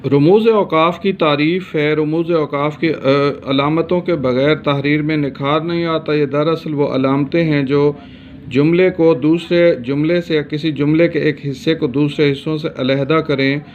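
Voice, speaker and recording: A man from Pakistan gives a grammar lesson with a somewhat high voice. He explains steadily and fills pauses with hesitation sounds. The recording is dull and lo-fi. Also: fairly even intonation, a little hiss or hum. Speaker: teacher.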